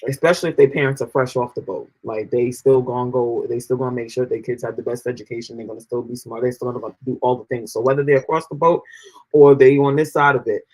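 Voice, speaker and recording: A man's voice: medium pitch, fairly even intonation, quick pace, few pauses, a little mellow, slightly rough, rough recording. A man with a New York accent co-hosting a casual panel chat, rambling and full of fillers. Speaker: podcast co-host.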